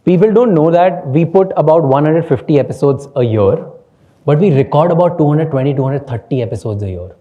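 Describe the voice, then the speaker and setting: A man's voice: fairly high pitch, lively intonation, brisk, narrow, tinny audio. A man with an Indian accent whose first language is Hindi, a podcast host speaking candidly on a panel, slipping between English and Hindi and laughing often. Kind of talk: panel talk.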